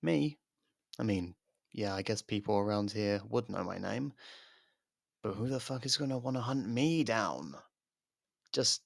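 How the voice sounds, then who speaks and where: Casting: male actor for a sarcastic, guarded convict murderer in ASMR audio drama; very gravelly, close dry sound, needling and foul-mouthed. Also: fairly low pitch, dry recording.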